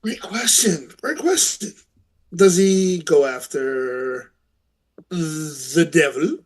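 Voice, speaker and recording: A man with a somewhat high voice co-hosts a casual wrestling podcast. He talks in a halting way, restarting his sentences and laughing along with his partner. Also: lively intonation. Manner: halting, repeats words and laughs often. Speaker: podcast co-host.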